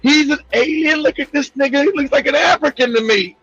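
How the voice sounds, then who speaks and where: A woman's voice: high voice, fairly quick, fairly bright tone, highs cut off, faint music behind. A man briefly putting on the voice of an amazed white woman, in an incredulous, mocking tone.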